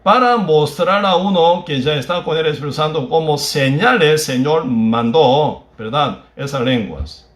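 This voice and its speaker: A Korean man who is a native Korean speaker preaches a sermon with a Korean accent. He speaks in halting, broken phrases and keeps adding tag questions. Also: fairly high pitch, echoey room. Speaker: pastor. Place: church.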